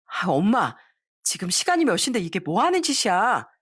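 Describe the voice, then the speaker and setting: A woman voicing an angry wife who scolds her mother in sharp, accusing bursts in a storybook reading. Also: medium pitch, very animated, brisk, breathy edge, dry recording, clean studio sound.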